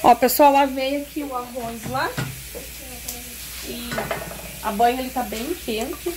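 A woman's voice: high voice, slow, noisy background. A woman with a Brazilian Portuguese accent from Paraná, chatting casually through her cooking in a home kitchen and often checking in with her viewers. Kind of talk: casual step-by-step cooking narration. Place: home kitchen with wood stove. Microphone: phone camera. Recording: food sizzling in the background.

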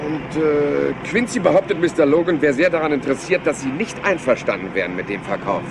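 An actor playing a rumpled, polite police inspector in a crime radio play, hesitant and rambling as if scatterbrained. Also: male voice, fairly high pitch, animated, fairly quick, creaky, background noise. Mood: musing, chatty. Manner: hesitant, rambling, courteous, mock-modest.

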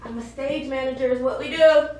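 A woman's voice: high-pitched, a little fast, a little hiss or hum, lightly acted. A woman playing a blunt, matter-of-fact stage manager in a live stage play. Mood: puzzled. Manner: animated, bluntly reassuring, hesitant ums. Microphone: far camera. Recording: very echoey distant stage camera recording.

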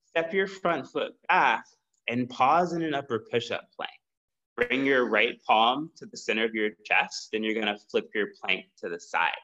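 A man teaching a live-streamed power yoga class, giving steady, encouraging cues and breath prompts. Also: medium pitch, dull audio. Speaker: yoga instructor.

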